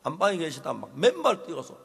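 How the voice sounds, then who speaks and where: Gravelly older Gyeongsang preacher, animated. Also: male voice, fairly high pitch, brisk. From Gyeongsang, South Korea. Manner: animated, dramatic storytelling, addresses the congregation. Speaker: pastor. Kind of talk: sermon storytelling. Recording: long reverb of a large hall.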